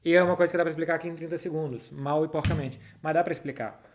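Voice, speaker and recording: Rapid-fire delivery, fairly high pitch and mostly even intonation mark this man with a Brazilian Portuguese accent. He chats casually with followers, responding to their football questions with analysis.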